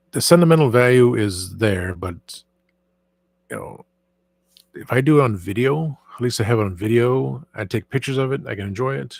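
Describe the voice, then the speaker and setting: A man's voice: lowish voice, vocal fry, no echo. A man hosting his own channel in casual, rambling chat, often restarting sentences and trailing off into asides. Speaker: channel host.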